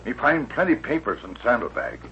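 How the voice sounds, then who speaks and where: An actor playing a loyal, terse Native American companion in a radio western, speaking clipped broken English. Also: male voice, mid-range voice, wildly swooping pitch, normal speed. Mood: terse, earnest. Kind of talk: 1950s radio western acting. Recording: dull, hissy 1950s radio recording.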